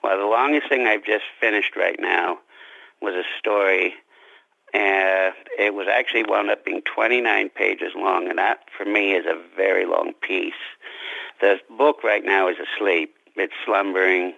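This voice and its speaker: A man being interviewed as an author, talking reflectively about his craft in halting, deliberate phrases. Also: sits low, fairly even intonation, creaky, bright, forceful tone, no room sound, highs cut off.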